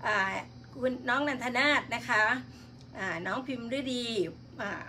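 A woman's voice: fairly high pitch, unhurried, sharp tone, slight background noise. A woman hosting a live stream in casual chat, politely reading out and greeting her viewers one by one.

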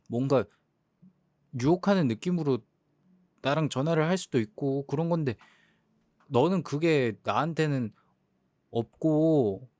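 A man's voice: medium pitch, darkish tone, dry recording, studio quality, natural voice. A young man playing a jealous boyfriend in a role-play drama, sulky and exasperated. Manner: sulky, hurt, exasperated complaining.

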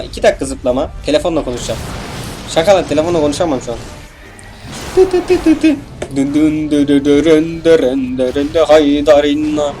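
Excitable young man joking over gameplay. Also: fairly high pitch. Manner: joking, swearing, excitable, talks to the game. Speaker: gameplay commentator. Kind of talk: casual let's play commentary.

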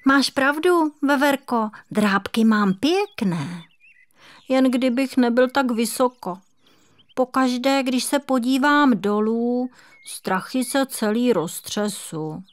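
Woman reader as a frightened little boy kitten for a kids' audiobook; high, pleading. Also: expressive, natural voice. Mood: timid. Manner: plaintive, pleading, whiny. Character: timid little male kitten, lost and scared. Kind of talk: children's audiobook reading.

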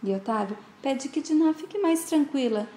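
Woman, casual soap recap, brisk retelling, a bit high, roomy echo. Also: animated, warm tone. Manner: brisk retelling, quoted lines voiced with some feeling. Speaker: channel host recapping a soap opera. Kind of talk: casual episode recap narration.

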